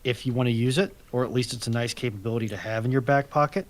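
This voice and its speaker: A man in a casual panel discussion, explaining his points in a measured way with some hesitant restarts. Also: medium pitch. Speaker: livestream panelist.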